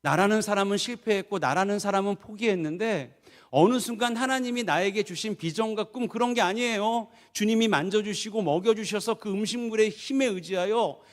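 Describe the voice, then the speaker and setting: High-voiced male pastor preaching. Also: a little fast. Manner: preaching with dramatic voiced prayers, dropping low and soft for quoted laments. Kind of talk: sermon. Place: church sanctuary. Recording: long church reverb.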